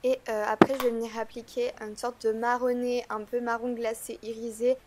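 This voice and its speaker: Stuffy-voiced woman with a fairly high pitch. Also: flat delivery, normal speed, very noisy. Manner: chatty and hesitant, frequent "euh" fillers. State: stuffy-nosed from a cold. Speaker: beauty vlogger. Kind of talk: makeup tutorial vlog.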